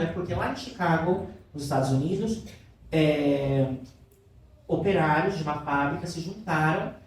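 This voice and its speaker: A man teaching a literature class who keeps checking in with his students and asking them questions, affectionate with the class. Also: fairly high pitch. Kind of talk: classroom lecture. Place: classroom in a cultural center. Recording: very echoey room, voice from far off, faint noise.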